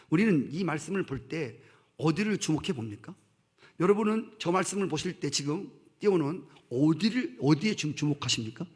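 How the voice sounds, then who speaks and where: A man preaches from the pulpit with a fairly high, husky voice. He is emphatic, turns to his listeners with direct questions, and slips into stern quoted voices as he makes his point. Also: a little mellow. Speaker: pastor. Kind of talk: sermon.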